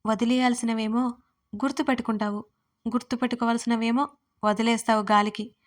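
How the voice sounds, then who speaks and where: A young husband who teases his wife and then flares into sharp scolding, read by a woman narrator. The voice sits a little high for a man, and it comes across as a storybook character rather than a full act. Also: little pitch movement, a little fast, natural voice. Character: adult male husband, teasing but quick-tempered. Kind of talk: audio story reading.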